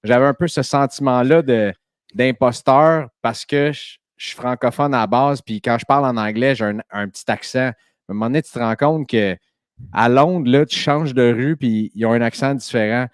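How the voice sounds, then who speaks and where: Male host, smooth resonant voice, dry, chatty. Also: medium pitch, normal speed, dry recording. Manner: chatty, enthusiastic, many fillers. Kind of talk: casual podcast chat.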